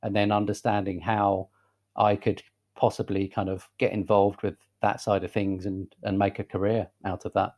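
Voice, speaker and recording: Fortyish guy, faint northern english accent, lowish voice, chill and a bit umm-y, podcast guest chat. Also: normal speed. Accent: Northern English, softened by southern England. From northern England. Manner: relaxed, hesitant, with many fillers and restarts. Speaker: guest, creative director. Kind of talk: casual podcast interview.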